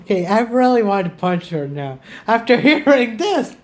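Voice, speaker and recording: A woman's voice: on the high side, very animated, normal speed. A woman gaming streamer reacting casually to gameplay in an informal, repetitive way. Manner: informal, repeats herself.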